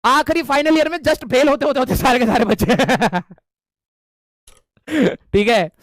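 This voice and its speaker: Very high-voiced man telling a funny class story. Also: a little slow, a bit bright, no echo. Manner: chuckles often, keeps checking in with "okay". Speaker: teacher.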